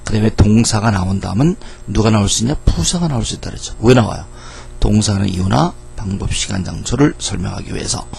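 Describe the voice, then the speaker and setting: A middle-aged man teaching English grammar in a lively lecture, asking questions and answering them himself. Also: fairly low pitch, fast, creaky, a little hiss or hum. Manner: lively, asks and answers his own questions.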